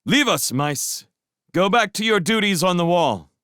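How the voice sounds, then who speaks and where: A man doing a young mouse warrior shouting orders. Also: lively intonation, a little slow, smooth, no room sound, studio quality, full character voice. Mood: commanding. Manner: shouted high ringing challenges. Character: young male mouse warrior, bold and commanding.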